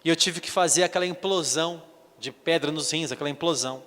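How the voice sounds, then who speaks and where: A bishop delivers a sermon at a fast clip, his fairly high voice trailing a long reverb tail. His storytelling is animated, and he performs the dialogue on his own.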